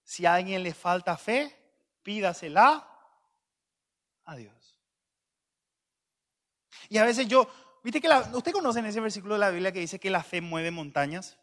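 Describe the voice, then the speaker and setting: Bright, high-voiced preacher man. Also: animated, a little slow, long pauses. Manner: joking, conversational, bursts of loud emphasis. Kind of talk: humorous sermon storytelling.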